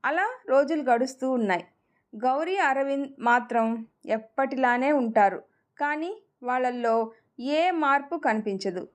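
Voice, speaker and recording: A woman narrating a romantic family story, reading it aloud in an expressive storyteller's manner. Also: high voice, normal speed.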